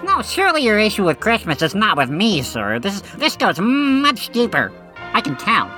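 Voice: mid-range voice, huge pitch swings, normal speed, bright, forceful tone. A performer playing a pompous, probing amateur psychoanalyst in a comedy radio skit, theatrical and inquisitive. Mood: probing, self-assured. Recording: music playing behind the voice.

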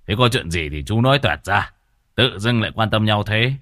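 A man voicing a gruff, boastful older exorcist who talks bluntly. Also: fairly low pitch, expressive, normal speed, bright, forceful tone, no room sound, clean studio sound. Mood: mocking. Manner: blunt, mocking.

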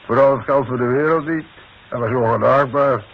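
A man's voice: mid-range voice, a little fast, natural voice. Man acting a sly, bossy foreman, muffled sound. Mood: smug, amused. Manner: needling, smug, insistent. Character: sly, bossy demolition foreman, needling and scheming. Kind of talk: 1960s Dutch radio play acting. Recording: muffled, hissy 1960s radio recording.

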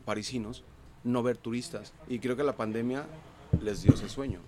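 Dude, normal pitch, reflective, shares little anecdotes in a group chat. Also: male voice, fairly even intonation, moderate pace, heavy background noise. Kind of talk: casual group conversation.

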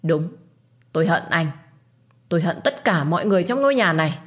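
A woman voicing a scheming, bitter young wife who answers back with sharp, cutting retorts. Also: fairly low pitch, lively intonation, fairly quick, lightly acted. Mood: bitter defiant.

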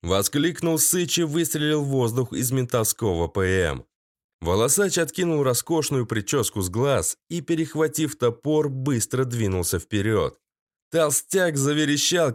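Male audiobook narrator, steady dramatic read, dead-dry booth sound. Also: mid-range voice, normal speed, dry recording. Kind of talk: scripted narration.

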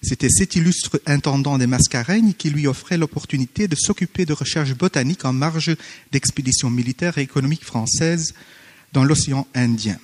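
A man who is not a native French speaker, formally reading a conference paper with hesitant pauses and self-corrections. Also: fairly high pitch, a little mellow, big-room sound. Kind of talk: academic conference paper read aloud. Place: conference hall.

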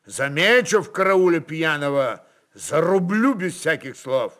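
A man's voice: a little high, lively intonation, fairly bright tone. A man voicing a stern Cossack commander who gives curt, commanding orders in a dramatised story. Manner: brisk, commanding.

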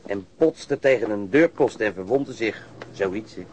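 A man's voice: lowish voice, animated, measured pace, a little hiss or hum. A man acting a brash, crooked policeman in a radio drama, blunt and conspiratorial. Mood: sly, emphatic. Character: brash, crooked male policeman, eager to bend rules.

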